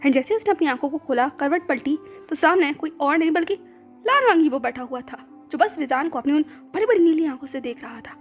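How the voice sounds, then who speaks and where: A woman's voice: high voice, animated, a little fast, lo-fi sound. A woman narrating a romance story, mixing English words into her telling. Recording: soft background music.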